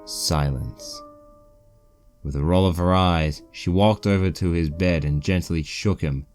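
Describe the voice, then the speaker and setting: A man's voice: low-pitched, unhurried, darkish tone. A man reading a fan fiction story aloud as scripted narration. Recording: poor-quality mic with music bed.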